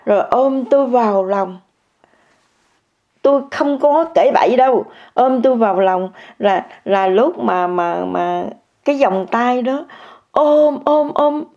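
On the high side and a little slow, this older woman's darkish voice carries an emphatic personal testimony about meditation. She repeats words over and over and addresses listeners directly, in a muffled, lo-fi recording.

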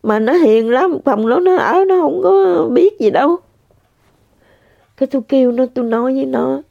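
A woman's voice: high-pitched, expressive, moderate pace, vocal fry, dry recording. An older woman telling a personal spiritual testimony to her listeners, earnest and repeating herself. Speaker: spiritual practitioner sharing testimony. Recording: dull lo-fi sound.

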